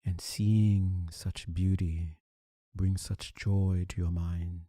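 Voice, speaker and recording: A man leading a guided meditation as a teacher, speaking calmly and soothingly with long, deliberate pauses. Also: sits low, dry recording, clean studio sound.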